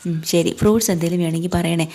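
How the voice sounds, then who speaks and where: A cheerful young woman, played by a woman, who teases and chats in quick bursts. Her voice is low and mellow. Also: steady tone. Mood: chatty. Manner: teasing, friendly questions.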